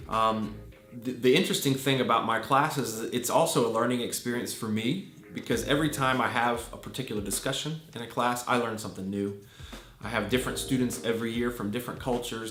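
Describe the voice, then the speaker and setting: A man's voice: mid-range voice, a bit bright. A man in his thirties from Virginia with an American accent, an English teacher giving earnest, thoughtful interview answers full of small fillers and restarts. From Virginia, USA. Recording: echoey room with faint music.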